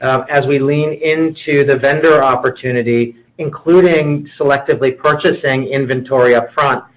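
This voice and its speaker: A man's voice: medium pitch, steady tone, moderate pace. A man speaking as a company executive, explaining business matters on a conference call. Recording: dull conference call audio.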